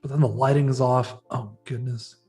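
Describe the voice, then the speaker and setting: A man's voice: medium pitch, steady tone, normal speed, darkish tone, soft background music. A man co-hosting a live stream, chatting casually, laughing often and reading out viewer comments as he works. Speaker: livestream co-host. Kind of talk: casual live-stream chat while working.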